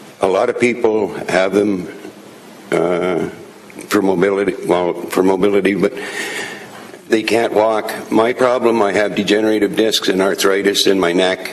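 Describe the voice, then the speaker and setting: A man with a fairly low pitch talks at a moderate pace, with fairly even intonation and very even loudness, leaving long, frequent pauses. Audible room echo and noticeable background noise fill the recording. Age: 60s. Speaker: public delegate. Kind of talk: public presentation to city committee. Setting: city council committee chamber.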